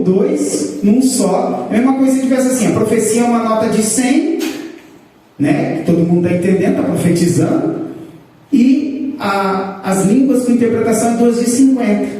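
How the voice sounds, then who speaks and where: A man with a Brazilian Portuguese accent teaching a sermon to his congregation, explaining points and pushing his pitch up for emphasis. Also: mellow. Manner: explanatory, rises in pitch to stress points, addresses congregation as brothers. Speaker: pastor teaching a church class. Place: church hall. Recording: echoey hall, picked up from a distance.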